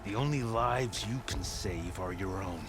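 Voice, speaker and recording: A man's voice: deep voice, a little slow, over music. A man playing a forbidding, menacing tribal warrior in a video game, with formal, stern delivery. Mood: accusing, threatening.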